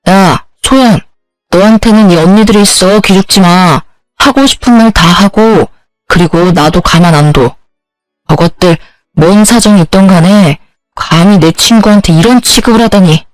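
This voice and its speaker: A woman's voice: medium pitch, normal speed, no echo, soft background music, close to an everyday voice, rough recording. A woman voicing a fiercely protective woman friend in a story narration. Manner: firm, encouraging.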